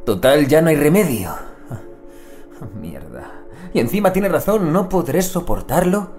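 An actor playing an anguished, loyal investigator who dreads cosmic horror, in a theatrical, brooding audio drama monologue that swings between outburst and muttering. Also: male voice, a little high, sing-song, measured pace, darkish tone, faint music behind. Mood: anguished, fearful.

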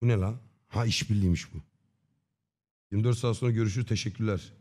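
A man in his thirties chatting casually on a livestream in a slangy, joking, deadpan way. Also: lowish voice, quick pace, slightly rough. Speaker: live streamer. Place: dim indoor streaming room. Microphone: close desk microphone with headset on.

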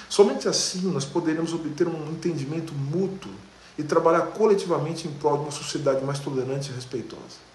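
Male official, formal video message, slightly high voice, echoey home room. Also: a little mellow, a little hiss or hum. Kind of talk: prepared video statement.

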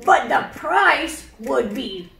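A woman voicing a kindly old grandpa puppet in a children's show, teaching in a deliberate way. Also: sits high, sing-song, gravelly, a bit bright, heavily acted. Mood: patient, earnest. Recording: echoey room.

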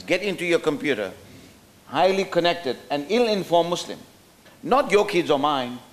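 A middle-aged man from South Africa giving a talk at a roundtable from a podium in a hotel function room, thoughtful and hesitant with many fillers and restarts. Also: on the high side. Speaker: speaker at a roundtable. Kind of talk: lecture with slides. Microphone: podium microphone.

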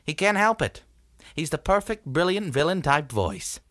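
A man's voice: a little high, big pitch swings, normal speed, a bit bright, no room sound, studio quality. A man playing a creepy modern villain with a sinister manner of talking.

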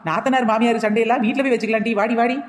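A woman's voice: fairly high pitch, steady tone, very fast, in a large hall. A woman with a Kanyakumari Tamil accent, mocking and sassy in a comic family skit.

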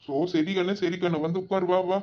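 A man's voice: high voice, little pitch movement, a little fast, slight background noise, close to an everyday voice. A man playing a doting cartoon brother. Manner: soothing, fussing, repeats endearments. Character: doting, protective adult village brother. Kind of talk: cartoon voice acting. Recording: dull lo-fi audio.

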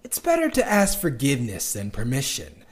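An actor playing a bitter, hopeless man recording a diary in an audio drama, conversational, halting and cynical. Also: mid-range voice, huge pitch swings. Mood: bitter, agitated.

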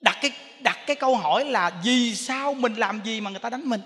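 High-voiced Southern Vietnamese monk preaching. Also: male voice, brisk. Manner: animated, laughing storyteller addressing the audience. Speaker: Buddhist monk teacher. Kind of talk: sermon. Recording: long reverb in a large hall.

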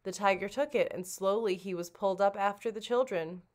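A woman reading a children's storybook aloud like a librarian, with expressive, dramatic narration. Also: mid-range voice, brisk.

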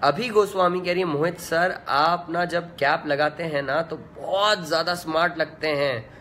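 Laid-back young man, slightly high voice. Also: moderate pace, bright, forceful tone, slight background noise. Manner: laid-back and chatty, full of "yaar" and "matlab" fillers. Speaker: singer hosting a fan live chat. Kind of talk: casual live chat, reading out fan comments.

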